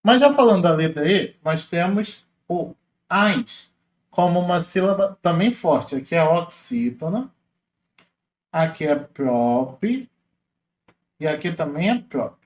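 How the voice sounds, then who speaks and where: A man walks through exam questions as a teacher, in a casual, explanatory way, slowing down to spell out syllables. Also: fairly high pitch, animated, reverberant. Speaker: Portuguese teacher.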